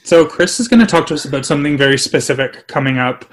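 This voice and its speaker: A man's voice: a little high, lively intonation, fast. A man co-hosting a casual podcast, teasing and meandering through his descriptions. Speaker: podcast co-host.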